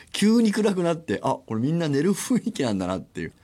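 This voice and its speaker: A man hosting a solo radio show, chatting casually and acting out other people's lines in quick little voices. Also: a little high, huge pitch swings, dark tone. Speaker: radio host.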